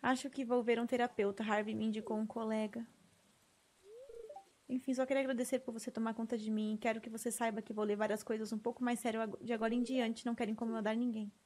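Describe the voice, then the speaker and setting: A woman with a Brazilian Portuguese accent voicing a gloomy, apologetic young man, reading his game lines quickly and quietly. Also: a little high, flat delivery, lightly acted.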